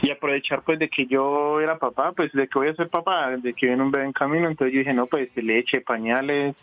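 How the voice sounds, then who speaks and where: A man's voice: medium pitch, steady tone, a little fast. A man from Armenia, Colombia, with a paisa accent, telling a story casually as a phone-in guest. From Armenia, Quindío, Colombia. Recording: dull, noisy remote call.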